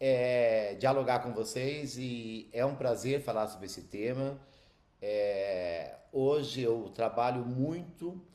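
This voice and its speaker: In a room with audible echo, a man talks very slowly at a medium pitch with a dark, mellow tone, ordinary pitch variation and big swings in loudness. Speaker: education institute founder. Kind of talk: podcast interview.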